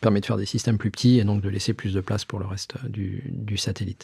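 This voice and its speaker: This man has a dark, mellow tone, somewhat breathy, at medium pitch with fairly even intonation. He talks at a fairly quick pace on a very clean recording with a silent background. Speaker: space startup founder and CEO. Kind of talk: interview. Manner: explanatory, teacher-like.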